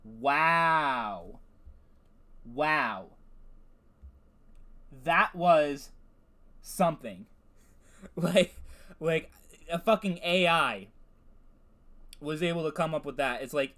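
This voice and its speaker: A man's voice: fairly high pitch, animated, extremely slow, pauses often, bright, forceful tone. A man hosting a casual gaming video, reacting with laughter and swearing. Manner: casual, profane, laughing, self-deprecating. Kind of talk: casual commentary reading chatbot outputs.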